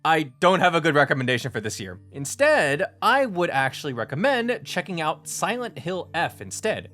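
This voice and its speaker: A man narrating a scripted video essay as host of a visual novel review channel, with an enthusiastic, expressive delivery. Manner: enthusiastic, expressive delivery with big pitch swings.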